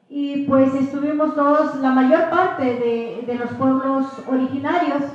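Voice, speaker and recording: A woman whose first language is Chol speaks slowly and haltingly, leaning on "este" between thoughts. Her voice is high. The audio is dull and muffled, heavy with echo from a large room. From Chiapas, Mexico. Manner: slow and hesitant, many "este" fillers. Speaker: activist speaker on a panel. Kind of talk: public talk presentation.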